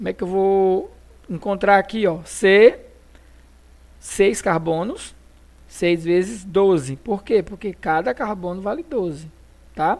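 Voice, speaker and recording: The speaker's intonation is lively. The pace is fairly slow. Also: woman. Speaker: chemistry teacher. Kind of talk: recorded lesson review.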